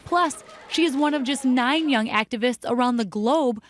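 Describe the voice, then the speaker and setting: A woman's voice: sits high, normal speed. A woman with an American accent reading a scripted television news report as a reporter.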